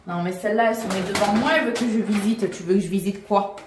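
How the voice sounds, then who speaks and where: A woman's voice: mid-range voice, steady tone, fast, background noise, lightly acted. A woman playing a blunt, impatient older woman who mocks everyone while being shown around a family house in a comedy sketch. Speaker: visitor touring a house. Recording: roomy echo, from a distance.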